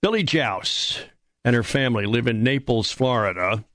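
A man's voice: medium pitch, lively intonation, moderate pace, fairly bright tone, dry recording, clean studio sound. A man hosting an AM radio talk show, introducing and questioning guests. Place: radio studio.

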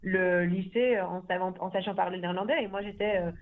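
A woman's voice: fairly low pitch, steady tone, fairly quick. Chatty woman over a phone line. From Belgium. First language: French. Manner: chatty, many fillers and restarts, laughs easily. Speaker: language school founder. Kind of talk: casual interview talk. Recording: phone-like narrow sound.

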